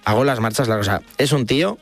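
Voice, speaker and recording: A man's voice: mid-range voice, fast, faint music behind. A young man from Spain, co-hosting a radio show, chatty and laughing often as he reads listener messages. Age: young adult. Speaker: radio co-host.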